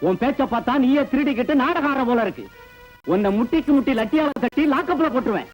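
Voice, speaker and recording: A bullying, corrupt police sub-inspector in a comic film. He talks fast and his pitch swings wildly. Film music plays quietly behind him. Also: lively intonation, poor audio. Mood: blustering. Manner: blustering, threatening. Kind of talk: 1990s comic film dialogue.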